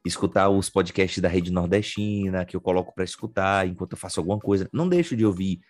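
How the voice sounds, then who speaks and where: A man's voice: low voice, fast talker. A man from Bahia with a Bahian accent, hosting a podcast interview in a chatty style full of fillers and restarts. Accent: Bahian Portuguese. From Bahia, Northeast Brazil. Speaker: podcast host. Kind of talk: casual interview chat.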